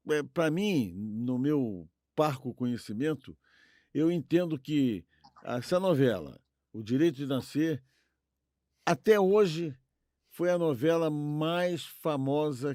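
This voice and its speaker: A man with a Brazilian accent co-hosting a podcast, offering opinions conversationally and rephrasing haltingly as he thinks aloud. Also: fairly high pitch, darkish tone, no room sound, clean studio sound. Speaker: podcast co-host. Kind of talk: conversational commentary, giving opinions.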